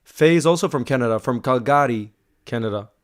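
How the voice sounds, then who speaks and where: During a live fan watchalong, a young man with a medium-pitched voice reads out chat messages at a slightly fast clip. He keeps the energy high, addressing everyone as bro and peppering his casual talk with "you know."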